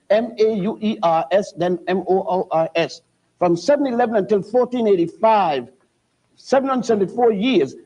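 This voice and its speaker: An older man from Puerto Rico, a guest historian who lectures with halting restarts and spells words out letter by letter. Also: sits high, mellow, husky. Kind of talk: lecturing TV interview. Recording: dull lo-fi TV audio.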